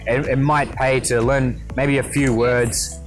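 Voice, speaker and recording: A man's voice: medium pitch, flat delivery, a little slow. An Australian man chatting upbeat about travel tips in an interview, laughing easily. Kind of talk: casual interview answers. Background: background music.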